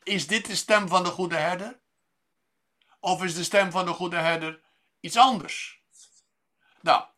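A man delivers a sermon in a bright, slightly high voice. He speaks in a measured way, pausing often with fillers and restarts, and he lifts his voice to stress key words. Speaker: preacher.

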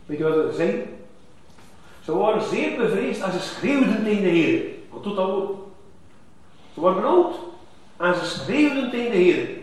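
A man delivers a sermon, high-voiced and emphatic. His pitch swings widely as he presses his points. He sounds distant in a very echoey hall. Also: normal speed, long pauses. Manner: animated, emphatic preaching with rising exclamations. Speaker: preacher. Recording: echoey church hall from far off.

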